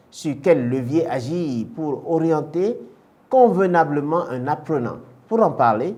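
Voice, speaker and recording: A man's voice: fairly high pitch, darkish tone. A man working as a journalist, reading a formal scripted introduction and then asking interview questions. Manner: formal, announcing. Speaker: journalist host.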